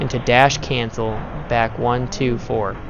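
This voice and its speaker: Monotone, flat intonation comes through with audible room echo and noticeable background noise. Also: man. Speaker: gaming tutorial creator. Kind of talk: tutorial. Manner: fast.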